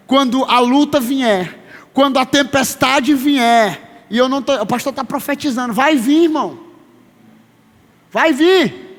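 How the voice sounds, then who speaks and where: A man in his thirties preaching a sermon as pastor, emphatic, slowing down to stress his words and calling listeners brother. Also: very high voice. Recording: long reverb of a large hall.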